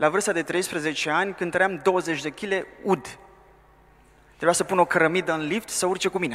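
Here a man speaks at a moderate pace. His voice sits high in pitch. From Romania, Bucharest. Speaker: guest preacher. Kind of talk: sermon.

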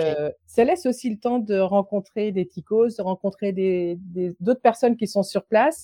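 An ordinary speaking voice. The pitch varies in an ordinary way, and the pace is moderate. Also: woman. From France. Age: 50s. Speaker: life coach. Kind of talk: interview.

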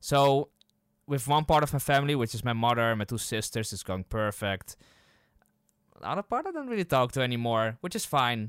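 Speaking at a fairly quick pace, a man with a Dutch accent uses a medium pitch and ordinary pitch variation. The sound is dry and close with no echo, in a very clean recording with a silent background. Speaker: podcaster. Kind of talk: casual monologue. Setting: home recording on camera. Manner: fast talker.

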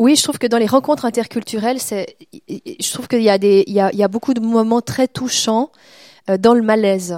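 On a very clean recording with a silent background and a dry, close sound with no echo, a woman with a plain, everyday voice speaks at a moderate pace, her fairly high pitch showing ordinary variation. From Switzerland, Vaud (Gros-de-Vaud). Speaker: author and humanitarian worker. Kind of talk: public talk and interview.

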